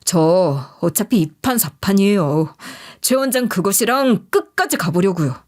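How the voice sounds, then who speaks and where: A woman's voice: mid-range voice, lively intonation, unhurried, close to an everyday voice. A woman voicing a disgraced, vengeful office manager in an audio story, aggrieved, wordy and pleading. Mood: bitter.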